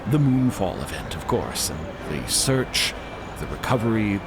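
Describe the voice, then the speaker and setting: A man voicing an excitable, genial professor-inventor with an effusive, eager manner. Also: on the low side, measured pace, background noise.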